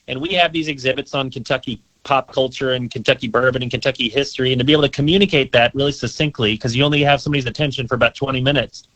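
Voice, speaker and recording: A young man who works as a museum tour guide, answering interview questions eagerly and repeating words as he rushes. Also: mid-range voice, steady tone, fairly bright tone, no room sound, poor audio. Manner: eager, enthusiastic, repeats words when rushing.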